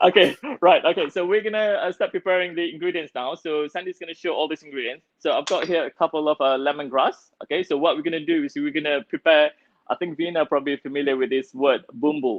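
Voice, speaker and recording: Talking very fast, a man uses a fairly high pitch with ordinary pitch variation. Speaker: chef. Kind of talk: cooking demonstration. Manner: halting, many fillers.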